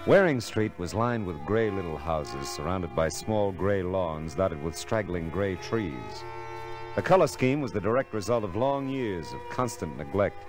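Wry tough private eye, low voice that swings around a lot, old radio show w music behind. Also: male voice, animated, a little slow. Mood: wry, world-weary. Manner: wry, laconic, insistent. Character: hard-boiled, wisecracking male private eye. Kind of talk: 1940s radio detective drama narration and dialogue.

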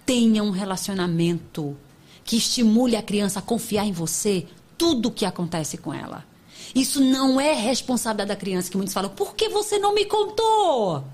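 A woman psychologist, a podcast guest, explaining in an emphatic, animated way with sudden high exclamations. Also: a little fast. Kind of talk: podcast interview talk.

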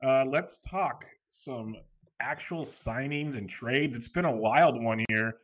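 A man co-hosting a podcast, chatting in loose, relaxed banter and laughing easily. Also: mid-range voice, slow. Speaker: podcast co-host. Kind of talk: casual podcast chat.

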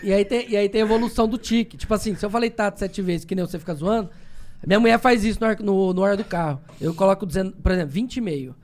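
A man's voice: high-pitched, darkish tone. A young man in casual chat, telling rambling stories full of swearing, with sudden vocal tics and repeated words. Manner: swears a lot, fast rambling storytelling.

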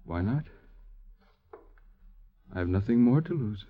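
An actor playing a doomed young gypsy lover in a 1950s radio drama, tender and fatalistic, speaking in solemn, poetic phrases. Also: male voice, fairly low pitch, animated, unhurried. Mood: fatalistic, grave. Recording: muffled old radio recording.

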